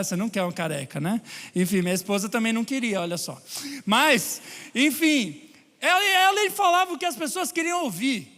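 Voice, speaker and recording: High-voiced Brazilian pastor, bright. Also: male voice, long reverb tail. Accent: Brazilian Portuguese. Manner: lively and joking with the congregation. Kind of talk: sermon. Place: large church hall.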